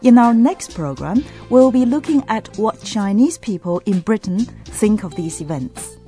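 A woman co-hosting a radio English lesson with a clear, measured, scripted delivery. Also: medium pitch, expressive, warm tone, soft background music. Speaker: co-host of a language lesson.

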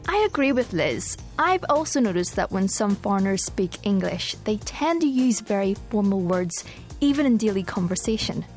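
A woman from Northern Ireland with a Northern Irish accent, co-hosting an English learning programme in clear, explanatory scripted speech. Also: mid-range voice, big pitch swings, normal speed, darkish tone, soft background music. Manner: clear, explanatory, asks co-host questions. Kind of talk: scripted educational presenting.

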